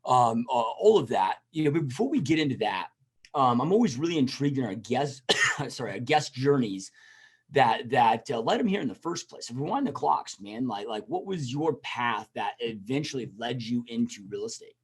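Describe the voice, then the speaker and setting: A man's voice: mid-range voice, lively intonation, moderate pace, breathy edge. A man hosting a podcast, talking casually in an informal, slangy, buddy-like way. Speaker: podcast host. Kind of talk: casual podcast interview chat.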